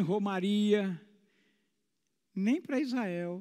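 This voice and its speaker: At a very slow pace comes a voice with a dark, mellow tone. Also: man. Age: 60s. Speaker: guest preacher. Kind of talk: sermon.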